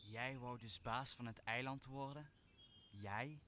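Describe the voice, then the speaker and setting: A man playing a solemn, commanding exiled magician in a Shakespearean radio play, speaking in a measured way. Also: medium pitch, pushed and bright, slight background noise. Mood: stern. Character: commanding exiled magician, stern yet forgiving master. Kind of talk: stage-like Shakespearean radio drama.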